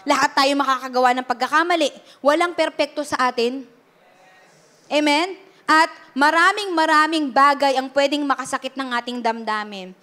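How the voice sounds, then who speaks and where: A woman's voice: high voice, normal speed, sharp tone. A Filipino woman pastor preaching a sermon earnestly, switching between Tagalog and English and checking in with the congregation.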